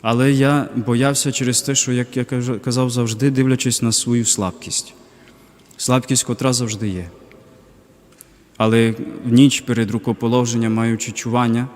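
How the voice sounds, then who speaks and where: A young man, a deacon, giving a reflective personal faith testimony in a halting way, pausing often. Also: mid-range voice, a little mellow, in a large hall. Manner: reflective, halting, with pauses and fillers. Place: cathedral parish.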